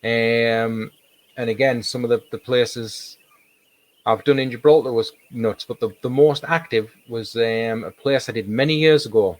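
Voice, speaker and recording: A man talks casually as a paranormal investigator being interviewed. His voice is a little hoarse and sits at an average pitch. He tells his anecdotes chattily, repeating words for emphasis. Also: measured pace. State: slightly hoarse, losing his voice.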